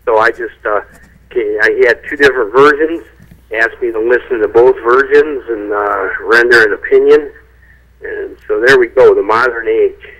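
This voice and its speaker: Bright man talking over a phone line. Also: medium pitch, normal speed. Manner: relaxed, rambling with restarts. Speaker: guest songwriter. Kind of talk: phone-in interview chat. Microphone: speakerphone.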